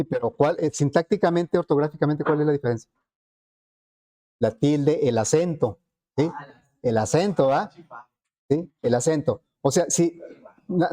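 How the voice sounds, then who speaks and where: Male teacher, mellow, slightly high voice; patient classroom explainer. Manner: explanatory, frequent rhetorical questions to students. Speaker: programming teacher. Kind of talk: classroom lecture.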